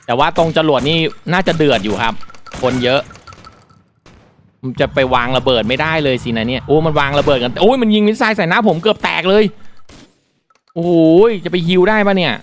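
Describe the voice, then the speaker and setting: A man with a fairly high-pitched voice talks through a mobile shooter in a relaxed, polite tone. Once the match starts he reacts loudly and excitedly to every hit and near miss. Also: brisk, slight background noise. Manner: polite explaining that turns into excited exclaiming during play. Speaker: mobile game reviewer. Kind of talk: casual gameplay commentary.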